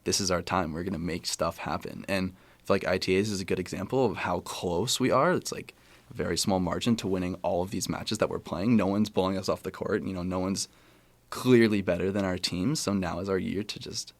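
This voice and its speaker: A young American man with a deep voice talks quickly in a casual podcast interview. He rambles and corrects himself as he goes, like a college athlete chatting as a guest. The sound is dry and close, with very little room. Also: steady tone, dry recording. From California, USA. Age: young adult, about 20. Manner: conversational, rambling, self-correcting.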